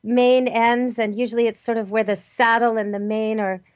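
A woman with a slightly higher voice hosts a pet radio show, eager and quick to ask follow-up questions. Her voice is recorded close and dry in a studio. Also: flat delivery, clean tone, dry recording. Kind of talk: casual radio interview.

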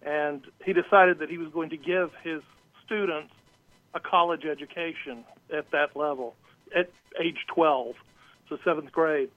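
A man from Georgia, a radio guest telling stories casually and pausing mid-sentence. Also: fairly high pitch, fairly even intonation, dry recording. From Georgia, United States. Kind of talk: casual autobiographical storytelling. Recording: tinny phone line.

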